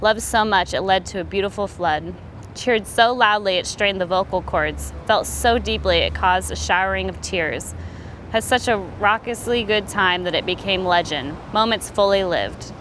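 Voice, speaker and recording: A woman giving an earnest, deliberate reading of a scripted motivational text. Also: medium pitch, a bit bright, slight background noise, low-quality recording.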